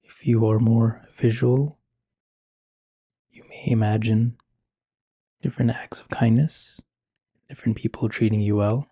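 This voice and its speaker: Soft, husky man guiding meditation. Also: lowish voice, fairly even intonation, no echo. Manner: slow, gentle, measured with long pauses. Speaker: meditation guide. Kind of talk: guided meditation.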